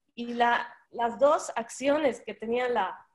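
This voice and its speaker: Someone speaks at a very slow pace against a quiet background. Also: woman. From Bolivia, Cochabamba; Bolivia. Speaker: performance artist; panelist. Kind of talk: panel discussion. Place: home room. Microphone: video call.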